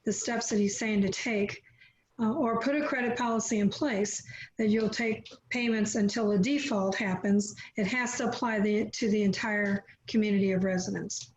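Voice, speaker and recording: A woman's voice: mid-range voice, steady tone, normal speed, reverberant, a little hiss or hum, rough recording. A woman interjecting on a webinar panel, her voice strained as she loses it, with some hesitant fillers. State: losing her voice. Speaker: panelist adding a point.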